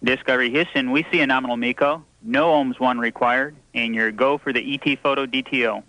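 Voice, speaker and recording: A man's voice: medium pitch, fairly even intonation, a little fast, pushed and bright, low-quality recording. A man at mission control giving terse, procedural callouts over a radio transmission link. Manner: clipped, procedural. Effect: radio air-to-ground transmission.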